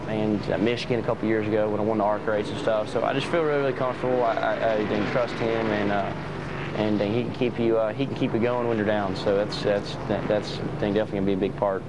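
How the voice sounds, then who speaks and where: 19 yr old racer guy, lowish voice, halting interview answer, loud engines behind. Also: fairly even intonation. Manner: halting, repeats words. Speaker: race car driver. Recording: loud track and engine noise.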